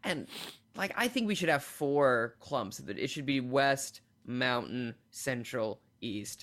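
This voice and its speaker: A man with an American accent speaks at a fairly slow pace in an unremarkable speaking voice, his medium pitch carried by lively intonation on a very clean recording with a silent background. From Minnesota. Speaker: comedian. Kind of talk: casual chat.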